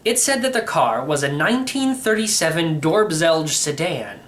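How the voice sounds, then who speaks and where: A man reading a first-person storybook narration in an expressive, wry manner. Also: on the high side, moderate pace. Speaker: storybook reader.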